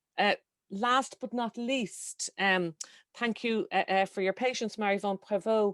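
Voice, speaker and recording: With an Irish accent, a woman speaks at a fairly slow pace in a fairly high pitch and fairly even intonation, the sound dry and close with no echo against a quiet background. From Ireland. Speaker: webinar moderator. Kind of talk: panel moderation.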